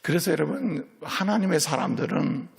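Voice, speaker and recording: A middle-aged man, a senior pastor, preaching a sermon as a lively storyteller who keeps checking in with his congregation. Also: fairly high pitch, moderate pace, gravelly. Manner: lively storytelling preacher, voices characters in quotes, asks "예?" of the congregation.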